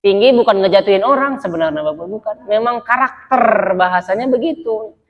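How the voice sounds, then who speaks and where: A man's voice: high voice, fairly quick. A male Islamic preacher from Sumatra giving a casual religious lecture, talking conversationally and often addressing his listeners directly. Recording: dull lo-fi recording.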